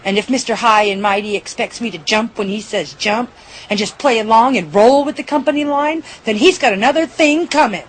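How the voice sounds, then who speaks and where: A woman playing an indignant, defiant reporter with a husky voice and an emphatic, combative delivery in an audio drama. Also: a little high, a little fast, slight background noise, close to an everyday voice. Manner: emphatic, combative, rhetorical questioning. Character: indignant, defiant female news reporter fighting for the truth.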